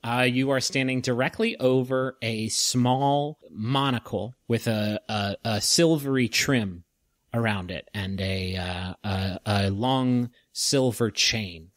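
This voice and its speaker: Halting, joking game master. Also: male voice, medium pitch, no room sound. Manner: halting narration full of uh and restarts, joking with swearing. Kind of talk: narrating a tabletop game.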